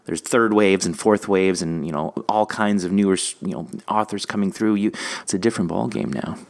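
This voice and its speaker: A man with a low, deep voice hosts a relaxed interview. He speaks earnestly and conversationally, often repeating a phrase to underline it. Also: fairly quick, gravelly. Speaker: podcast host. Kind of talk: casual interview chat.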